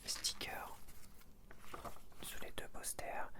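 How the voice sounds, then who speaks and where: Whispering Frenchman, casual ASMR commentary. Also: drawn-out words. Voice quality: breathy unvoiced whisper. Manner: hushed, intimate, addressing one listener informally. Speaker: ASMR video creator.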